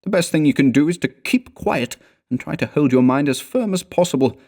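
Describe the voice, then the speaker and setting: A grave, fearful man from a storybook , acted out by a male reader. His voice is pushed up higher and is full of intense foreboding. He sounds fatalistic, as one who has accepted that danger is coming. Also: lively intonation, moderate pace, a little mellow, natural voice. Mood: grave, resigned. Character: grave, frightened, fatalistic male canoe companion. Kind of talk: storybook character dialogue.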